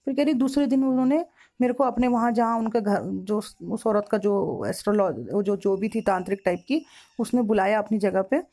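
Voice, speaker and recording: A woman's voice: medium pitch, fairly quick, dark tone. A woman, a spiritual counselor, retelling a client's story at length in reported speech, with emotional repetition.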